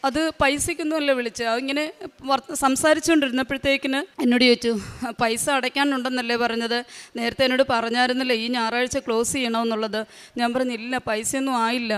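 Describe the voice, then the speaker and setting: A woman giving a spoken religious testimony, halting, with many fillers and restarts. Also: high voice, flat delivery, fairly bright tone, clear, resonant tone, big-room sound. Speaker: testimony giver.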